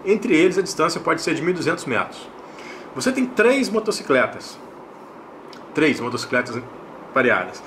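Higher-pitched Brazilian man, noisy recording. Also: very animated, normal speed, long pauses, fairly bright tone. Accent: Brazilian Portuguese. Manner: explanatory, repeats and checks in with tag questions. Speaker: product review host. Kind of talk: casual unboxing and review narration.

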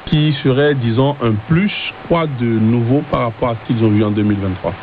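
A man's voice: mid-range voice, brisk, narrow, tinny audio. A man putting questions as a radio interviewer, heard over shortwave. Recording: thin, hissy shortwave radio reception.

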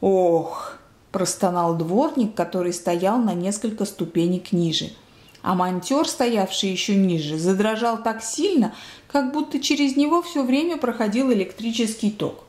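A woman reading a children's book aloud in a lively storytelling manner, in a roomy space. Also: medium pitch, moderate pace. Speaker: reader. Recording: roomy echo.

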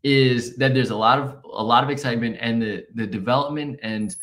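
A man answering interview questions in a relaxed, conversational way with frequent fillers. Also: mid-range voice, brisk. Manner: relaxed, many fillers and restarts. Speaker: guest, marketing founder.

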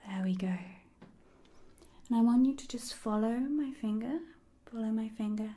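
A woman speaking as an ASMR host, softly and breathily, often in a whisper, with gentle, soothing, unhurried guidance. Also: on the high side. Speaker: ASMR host giving guided relaxation. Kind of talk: ASMR role-play, soft-spoken and whispered instructions.

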